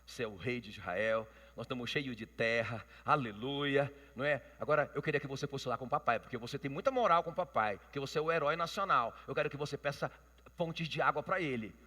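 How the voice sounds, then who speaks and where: A preacher voicing a young wife gently coaxing her husband. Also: medium pitch, quick pace. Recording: long church reverb.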